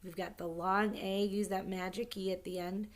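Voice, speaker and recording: A woman teaching an early-grade reading lesson, sounding out words slowly and clearly with an upbeat, encouraging manner. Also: medium pitch, little pitch movement.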